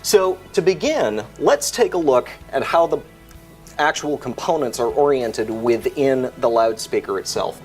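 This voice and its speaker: Male technical expert, lively pitch movement, articulate and methodical, faint music behind. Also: a little slow. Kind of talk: explanatory technical tutorial.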